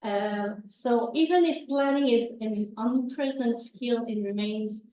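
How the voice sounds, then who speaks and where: A woman's voice: on the high side, measured pace, dark tone. A woman with a Quebec French accent, a native French speaker giving a hesitant academic conference talk in English with many fillers and restarts. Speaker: conference presenter, university researcher. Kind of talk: academic presentation. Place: lecture room. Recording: echoey room, speaker far from mic.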